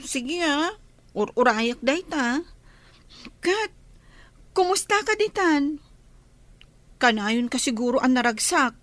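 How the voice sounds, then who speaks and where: High-voiced earnest young woman, soft-spoken radio drama lead. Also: lively intonation, slow, pauses often, no echo, exaggerated voice. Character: young woman missing her sweetheart.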